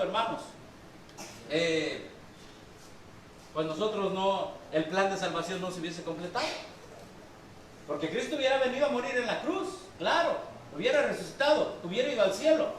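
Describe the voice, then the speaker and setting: High-voiced preacher in a booming hall. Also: male voice, a little hiss or hum. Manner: quizzes the congregation with questions. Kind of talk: sermon with Bible reading. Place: church hall. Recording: very echoey hall, from far off.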